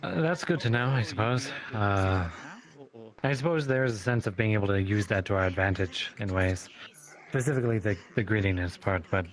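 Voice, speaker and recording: A man playing a cautious, polite townsman in an improvised fantasy roleplay, talking in a hesitant, measured, reserved way. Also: on the low side, close to an everyday voice, poor audio. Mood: hesitant, pondering.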